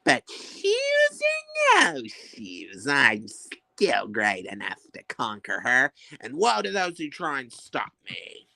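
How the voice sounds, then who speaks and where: Cackling, scheming wicked witch, put on by a woman reading aloud, swoops from low growls to shrieks, dry close sound. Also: wildly swooping pitch, slow, vocal fry, pushed and bright, no room sound, full character voice. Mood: gloating. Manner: cackling, gloating, sudden shrieks.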